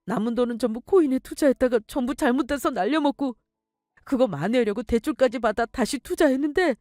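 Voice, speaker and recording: A woman's voice: high-pitched, dry recording, clean studio sound, pitched above the performer's own voice. A woman voicing a whiny, greedy grown son who protests and pleads in a dramatic story reading. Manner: whining and pleading.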